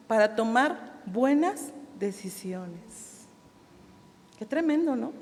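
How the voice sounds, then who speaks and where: A woman with a Mexican Spanish accent gives a sermon at a women's meeting, her voice set high and her delivery slow and deliberate. She keeps checking in with the listeners through questions and laughs easily between points. The recording carries the long reverb of a church hall. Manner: asks the audience frequent questions. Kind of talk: sermon teaching.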